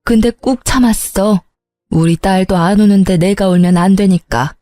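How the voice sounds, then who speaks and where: A woman voicing a caring middle-aged mother who talks softly and soothingly to her daughter. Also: medium pitch, normal speed, no room sound, soft background music, lightly acted. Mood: tender. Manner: soft and soothing.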